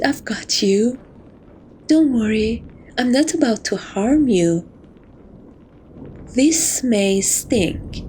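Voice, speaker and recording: A woman's voice: mid-range voice, darkish tone, a little hiss or hum, natural voice. A woman voicing a playful, seductive, possessive catgirl jewel thief in a romantic ASMR roleplay, coy and theatrical in her affection. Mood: soothing, possessive.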